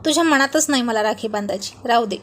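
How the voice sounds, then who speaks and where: A woman voicing a quick-tempered husband who grumbles and snaps at his wife. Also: on the high side, a bit bright, slight background noise, close to an everyday voice. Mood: irritated. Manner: grumbling, irritated.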